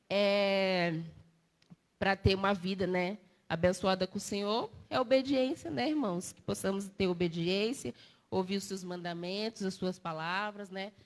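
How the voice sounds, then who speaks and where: A woman with a Brazilian Portuguese accent preaching a sermon, tearful and emotional, repeating phrases and often turning to her congregation. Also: mid-range voice. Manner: emotional, repetitive, addresses congregation as brothers.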